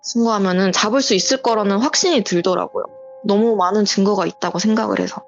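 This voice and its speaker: A woman's voice: mid-range voice, fast, gravelly. Woman on a muffled call telling a story. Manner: vivid, breathless retelling that acts out quoted lines. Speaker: viewer sharing a true story by voice call. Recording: muffled voice call with faint music.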